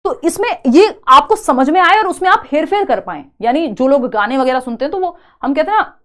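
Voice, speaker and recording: A young woman teaching a live online exam-prep class, chatty and teasing, slowly spelling out word examples. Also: high voice, lively intonation, a bit bright. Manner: chatty, teasing students between explanations.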